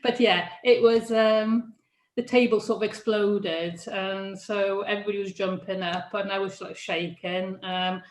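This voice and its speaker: A middle-aged woman, a careers adviser, talking in a halting, laughing interview manner with many restarts. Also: medium pitch, fairly even intonation. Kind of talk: casual interview chat. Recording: echoey room.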